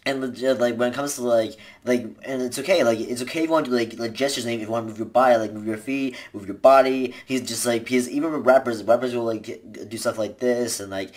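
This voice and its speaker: A young man in his twenties talks straight into a desk webcam in a small bedroom, giving casual tips. His delivery rambles, with constant restarts and filler words, and he gestures with both hands as he talks. His voice sits at an ordinary middle pitch for a man. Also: steady tone, fast, few pauses. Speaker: vlogger giving voice acting tips. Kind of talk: casual advice talk to camera. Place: small bedroom indoors, seated in a gaming chair. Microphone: webcam at desk distance.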